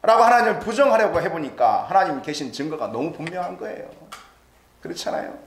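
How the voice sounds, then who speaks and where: A man's voice: a little high, animated, quick pace, reverberant. A man preaching a sermon as pastor, in a dramatic style that rises and falls. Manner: dramatic preaching, voicing doubters' quoted lines. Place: church sanctuary.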